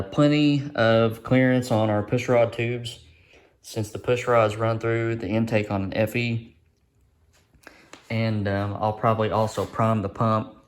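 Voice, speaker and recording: Male engine builder for casual how-to video: lowish voice, plainspoken, down-home and unassuming delivery. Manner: folksy, plainspoken, modest. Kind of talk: casual hands-on explanation to viewers.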